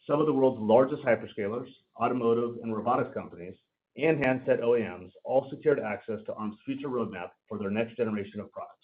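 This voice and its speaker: A man giving a formal, measured, scripted financial presentation as a company executive on a conference call. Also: medium pitch. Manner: formal, measured delivery of prepared remarks. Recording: narrow tinny phone-line sound.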